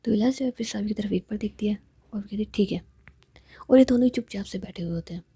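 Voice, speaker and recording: A woman narrating a love story in a soft, half-whispered storytelling manner. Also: medium pitch, very fast, husky, no room sound.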